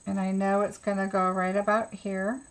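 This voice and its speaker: A woman's voice: mid-range voice, little pitch movement, moderate pace. A woman giving a casual live craft tutorial as host, chattily talking herself through each step.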